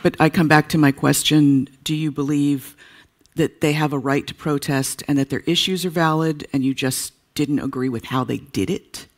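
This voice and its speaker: Moderator guy on stage, kinda high voice, keeps pushing his question. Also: steady tone. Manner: pressing questions, halting restarts. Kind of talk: panel moderation. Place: conference stage.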